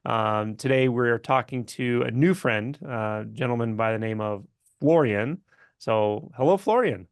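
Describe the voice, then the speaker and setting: A man hosting an interview in a conversational, relaxed style. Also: medium pitch, a little slow, smooth, no echo, studio quality. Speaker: channel host and interviewer.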